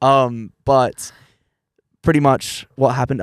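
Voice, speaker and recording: In a dry, close sound with no echo, a man with an Australian accent speaks at a fairly slow pace with fairly even intonation. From New South Wales, Australia. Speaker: podcast host. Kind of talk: casual chat. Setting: studio.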